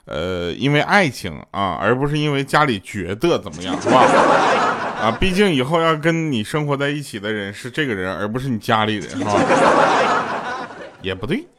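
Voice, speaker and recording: A man's voice: medium pitch, lively intonation, fairly quick, a bit bright. A man telling funny stories in a loose, chatty way, often laughing at his own punchlines. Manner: loose, conversational, many fillers. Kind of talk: chatty comic storytelling.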